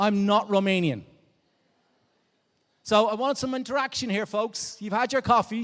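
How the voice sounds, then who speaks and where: Animated and high-pitched, a man with an Irish accent talks with ordinary pitch variation and long, frequent pauses. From Ireland, Dublin. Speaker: conference speaker. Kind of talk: conference keynote talk. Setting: stage with audience.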